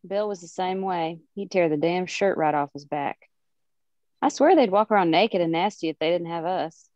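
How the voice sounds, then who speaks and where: Woman playing a low-voiced, sharp-tongued country wife. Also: normal speed, no room sound, natural voice. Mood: wry, exasperated. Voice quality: folksy Southern-style country diction. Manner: scolding, wry. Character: irritable, sharp-tongued thirty-year-old small-town wife. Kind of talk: table-read acting.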